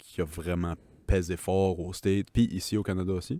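A man's very deep, low voice, dark and mellow in tone, with fairly even intonation. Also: very clean recording, silent background. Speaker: podcast host. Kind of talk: casual chat.

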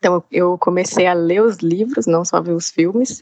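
The recording is dry and close with no echo, carrying a woman with an ordinary speaking voice, fairly low pitch and ordinary pitch variation. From São Paulo, Brazil. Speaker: literature content creator. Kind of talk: interview.

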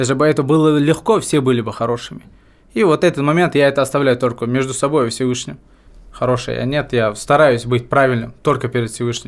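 A very fast delivery with ordinary pitch variation. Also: man, medium pitch for a man. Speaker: MMA fighter. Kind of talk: interview.

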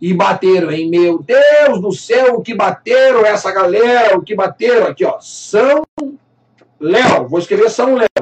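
Talking fairly slowly, a man uses a high pitch with ordinary pitch variation. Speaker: cycling event host and live show presenter. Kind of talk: live stream chat show. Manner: animated.

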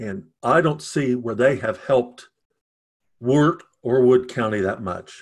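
Speaking at a fairly slow pace with long, frequent pauses, a man uses a medium pitch. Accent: American. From West Virginia. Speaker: political candidate, retired delivery driver. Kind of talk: interview. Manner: halting.

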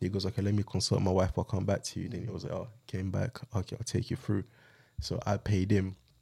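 A man with a London accent at a very fast pace, fairly low in pitch, with a dark, mellow tone, somewhat breathy, and fairly even intonation. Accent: London English (multicultural London). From London (moved from Congo at 10). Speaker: property investor and author. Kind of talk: casual interview.

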